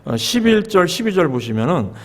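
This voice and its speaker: Korean pastor preaching in a reverberant sanctuary. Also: male voice, sits high, sing-song. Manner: measured preaching with rhetorical questions to the congregation. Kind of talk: sermon. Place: church sanctuary. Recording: long reverb of a church sanctuary.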